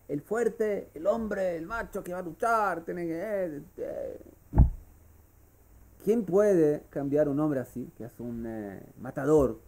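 Gravelly-voiced man teaching Torah. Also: on the high side, mellow. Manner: searches for words, stumbling restarts. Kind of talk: Torah class.

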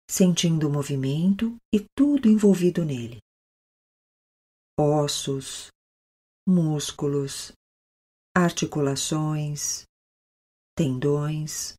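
Brazilian female meditation guide, soothing yoga-teacher delivery, mellow and breathy, pausing often. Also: fairly low pitch.

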